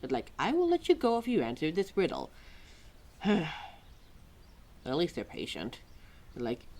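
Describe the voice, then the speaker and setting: Woman acting as female lore keeper, fantasy audio roleplay, exasperated, opinionated, sarcastic, conversational, highly animated intonation. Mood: wry, casual. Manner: sarcastic, chatty, heavy sighs and mimicked quotes. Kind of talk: ad-libbed audio roleplay addressed to a listener.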